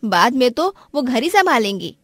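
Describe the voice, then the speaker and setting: A woman playing a kind, outspoken young sister-in-law in an animated family story, speaking persuasively. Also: on the high side, normal speed, no room sound. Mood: pleading, insistent. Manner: persuasive, supportive.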